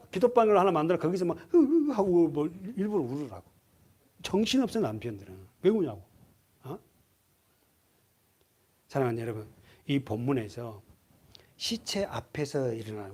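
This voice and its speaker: A man's voice: high-pitched, breathy edge. A male pastor preaching a sermon to his congregation, asking them questions and acting out voices. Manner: lively, asks the congregation questions, acts out voices.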